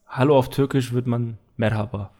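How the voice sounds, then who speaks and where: A young man co-hosts a laid-back podcast. He drifts from point to point and fills the gaps with filler words. His voice sits at an ordinary middle pitch. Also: normal speed. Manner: relaxed, rambling with many fillers. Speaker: podcast co-host. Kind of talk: casual podcast chat.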